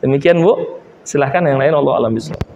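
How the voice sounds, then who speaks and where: A man preaching as an ustadz, telling lively stories from the pulpit and acting out the people in them. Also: medium pitch, fast, dull audio, a little hiss or hum. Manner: animated storyteller who acts out quoted voices. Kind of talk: sermon with storytelling. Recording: echoey hall with long reverb.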